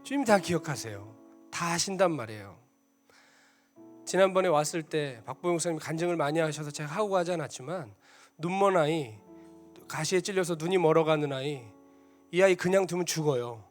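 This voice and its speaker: A man preaching a sermon as a missionary, telling a story with lively shifts and dropping to a soft hush for quoted voices. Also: fairly high pitch, a little fast. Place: church sanctuary. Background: soft instrumental music.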